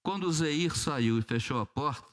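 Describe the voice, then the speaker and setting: In a church sanctuary, a pastor with a Brazilian Portuguese accent preaches a sermon in a fairly high, lively voice at a moderate pace, telling a story and humorously acting out prayers.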